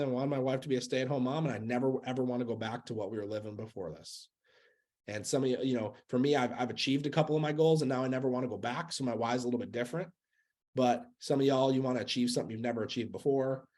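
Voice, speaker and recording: An earnest man in his thirties coaching a room of sales agents. He talks at a medium pitch, leans on fillers like "you know" and "um", and repeats key phrases for emphasis. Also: darkish tone. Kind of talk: motivational talk to sales agents.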